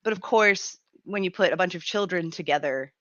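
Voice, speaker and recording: A woman in her thirties hosting a radio show in casual chat, her voice raspy and gruff from a cold, chatty and laughing often. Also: fairly low pitch, a little fast, fairly bright tone, no room sound, lo-fi sound. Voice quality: raspy, grumbly. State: has a cold, gruff throat. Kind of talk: casual live-stream chat.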